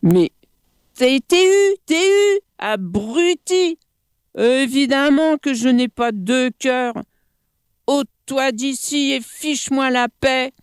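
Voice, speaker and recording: A woman voicing a sharp-tongued male monkey in a storybook reading, trading insults. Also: high-pitched, slow, smooth, dry recording, studio quality, pitched above the performer's own voice. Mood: mocking. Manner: mocking, insulting.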